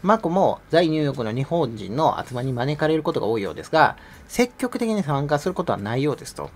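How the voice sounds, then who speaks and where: A man's voice: medium pitch, sing-song, fast. A middle-aged man giving sarcastic, mocking commentary in a casual, conversational way.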